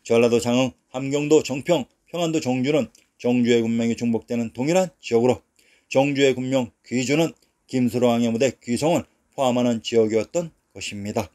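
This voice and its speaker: A man narrating a scripted history lesson, reading out lists of old place names in a measured, even way. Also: mid-range voice. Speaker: narrator of a history lecture series.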